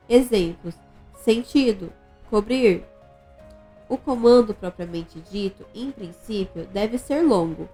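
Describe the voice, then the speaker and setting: A woman's voice: medium pitch, dark tone. Woman reading a drill manual. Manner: measured, formal reading with stressed command words. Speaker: audiobook narrator. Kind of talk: scripted instructional reading.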